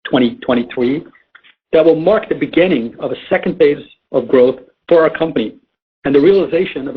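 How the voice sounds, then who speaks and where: A man's voice: a little high, husky. A man giving a scripted business presentation as a company executive, reading formally over a muffled phone conference line. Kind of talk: scripted earnings call presentation.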